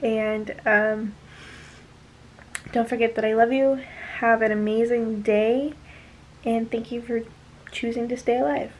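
A woman's voice: on the high side, fairly even intonation, measured pace, long pauses, a little hiss or hum, low-quality recording. Breathless young woman vlogging. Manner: chatty, rambling, many fillers. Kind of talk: casual vlog chat.

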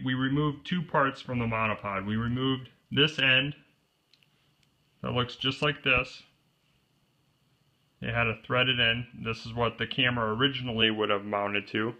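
A DIY kayak gear presenter, a man with a bright, forceful mid-range voice, walks step by step through building a homemade camera pole. He speaks plainly, pointing out each part. His voice is off-camera over an overhead shot of his hands at a wooden table indoors.

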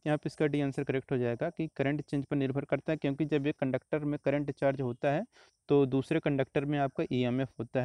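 A man, teaching exam questions step by step in a steady, explanatory way. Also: on the high side, no echo. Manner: steady explanatory, repeats answers, frequent "तो देखिए" and "आपका".

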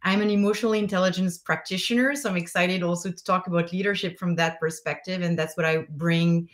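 A woman's voice: on the low side, steady tone, fairly quick. A woman in her thirties with a French accent, a francophone leadership coach speaking as a guest on a video call from home, eager and fluent. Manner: warm, eager, fluent with small restarts. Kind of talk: interview talk. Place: bedroom, indoors.

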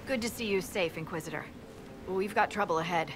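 A woman's voice: lowish voice, moderate pace, lightly acted. A woman playing a dutiful, weary military scout in a video game, giving a matter-of-fact, earnest briefing. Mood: grave, businesslike. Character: weary, dutiful female military scout reporting to her commander. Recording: noisy outdoor game ambience.

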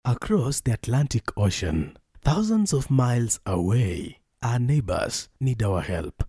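A young adult man with a Kenyan accent and a slightly husky voice, reading scripted voice-over as a professional voice artist. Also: medium pitch, sing-song, measured pace, mellow, dry recording, clean studio sound.

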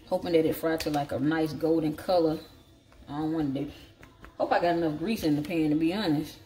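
A low-voiced woman with a darkish tone and a Southern African American English accent from the southern United States cooks at her home kitchen counter. She chats in a folksy, salty way for a casual cooking vlog, thinking aloud as she works, in a noisy home recording with clicks.

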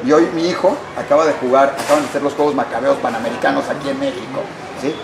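Middle-aged male interviewer, raspy fry, quick delivery, roomy noisy space. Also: medium pitch. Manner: interjects often with short agreements. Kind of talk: interview, casual questions. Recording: roomy, noisy background ambience.

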